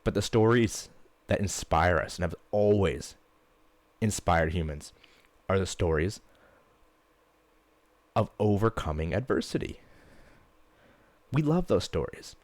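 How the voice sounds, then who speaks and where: A man's voice: sits low, animated, unhurried, pauses often, dry recording. A man hosting his own fitness podcast as a coach, talking in a blunt, fired-up way and swearing casually. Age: young adult to middle-aged parent. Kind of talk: casual solo podcast monologue.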